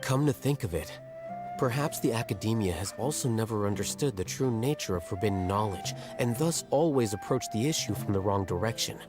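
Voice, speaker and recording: Low-voiced fantasy game scholar played by a male actor: measured, formal, condescending, cool-headed, over background music. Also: lively intonation, natural voice. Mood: coolly analytical. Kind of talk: scripted video game dialogue.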